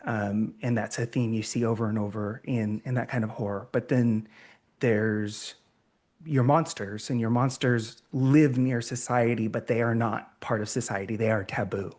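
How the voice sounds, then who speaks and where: A man's voice: mid-range voice, steady tone, normal speed, a little mellow. A man on a convention panel, methodically explaining his tabletop game design.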